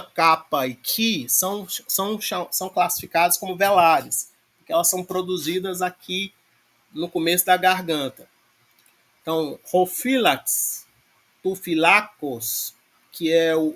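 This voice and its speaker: A man teaches Greek grammar in an online lecture, in a voice that's a little high and a bit bright, with a Brazilian Portuguese accent. He's patient and methodical, often pausing on a "né?" to check on his class.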